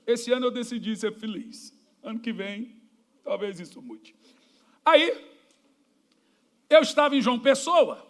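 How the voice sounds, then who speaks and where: A middle-aged Brazilian man preaching as a pastor, telling stories with jokes and sudden shouts. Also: very high voice, a little slow, long pauses. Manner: jokey, animated, shouting at times. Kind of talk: preaching sermon with storytelling.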